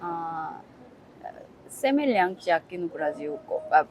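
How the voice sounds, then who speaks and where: Korean-accented woman in her 30s, interviewee, very slow and halting, low-ish voice. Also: animated, a little mellow, slight background noise. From South Korea. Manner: halting, searching for words with many "ó" fillers. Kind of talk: casual interview answers.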